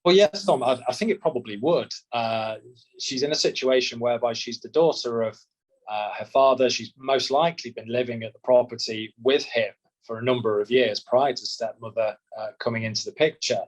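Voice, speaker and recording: A man answering as a solicitor, measured and explanatory, often repeating words as he restarts. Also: medium pitch, poor audio. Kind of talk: expert interview answers.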